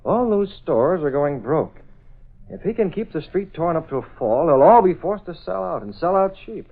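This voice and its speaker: An actor playing a composed male newspaper publisher who is secretly a masked hero, in a measured, authoritative 1930s radio drama style, on a tinny old recording. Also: on the high side, sing-song, slightly rough, full character voice. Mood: calm.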